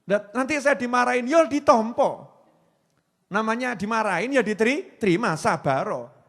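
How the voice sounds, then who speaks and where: Javanese preacher in his forties, high voice, joking sermon style, acts out quotes. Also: expressive, moderate pace, fairly bright tone. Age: 40s. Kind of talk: Islamic sermon.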